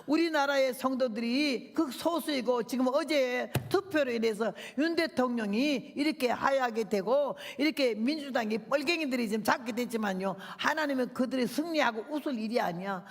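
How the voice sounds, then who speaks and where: A woman's voice: sits high, moderate pace, hardly any pauses. An older woman, a visiting missionary, preaching a revival sermon in a fiery, emotional, rambling way. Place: church sanctuary. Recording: long church hall reverb.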